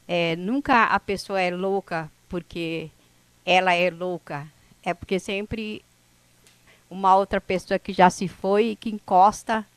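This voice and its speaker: A woman from the São Paulo coast whose first language is a Brazilian indigenous language, telling her life story to an audience in an unhurried, conversational way. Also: fairly low pitch, dry recording. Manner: unhurried, conversational, with frequent "né?" tags and restarts. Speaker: indigenous speaker at an event.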